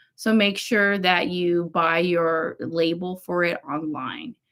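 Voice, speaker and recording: A mumbling woman with an American accent, medium pitch and lively intonation, in a very clean recording over a silent background. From California. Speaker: online reseller, thrifting channel host. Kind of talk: live stream chat with viewers. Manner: mumbling a little; halting, many fillers.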